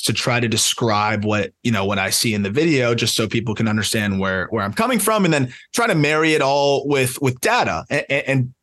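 Speaking in a medium pitch with a fairly bright tone, this prospect analyst co-hosts a podcast. The conversation is casual and animated, and he keeps laughing and restarting what he's saying.

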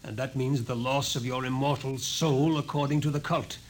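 An actor playing a coolly sardonic, authoritative scientist in a 1950s radio drama, speaking in measured, probing lines. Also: male voice, mid-range voice, fairly even intonation, close to an everyday voice. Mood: firm, commanding. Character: commanding male scientist, coolly sardonic, explains things calmly. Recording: noisy old 1950s radio recording.

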